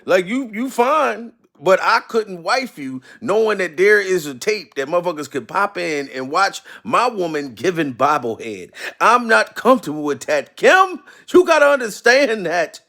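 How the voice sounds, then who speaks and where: A man's voice: high voice, very animated, normal speed, hardly any pauses, pushed and bright. A man in his forties giving loose, profane reaction commentary, laughing often and asking "you know what I mean" again and again. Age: 40s.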